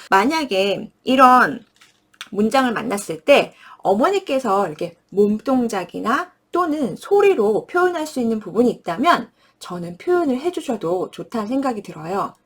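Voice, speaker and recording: A woman's voice: fairly high pitch, moderate pace. A woman in her thirties giving a friendly parenting lesson, acting out words with gestures and sounds and often asking her listeners "right?". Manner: animated, acts out words with lively gestures and sounds. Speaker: early-childhood education presenter.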